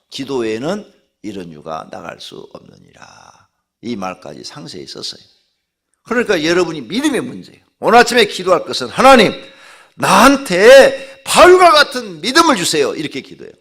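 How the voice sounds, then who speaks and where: A middle-aged male pastor gives a morning sermon in a slightly husky voice, and his pitch rises and falls widely. He talks to his listeners casually, keeps asking them questions, and breaks out into loud shouted commands. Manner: animated preaching, swings from soft asides to loud shouted commands; conversational, rhetorical questions to the congregation. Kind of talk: dawn sermon.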